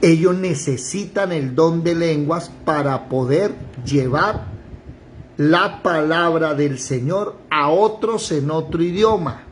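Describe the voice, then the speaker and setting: A man with a high, lively voice leads an informal Bible class, peppering his students with rhetorical questions. He slips into quick mock exchanges to make his points. A faint background hum sits under his voice. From Colombia. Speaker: Bible teacher.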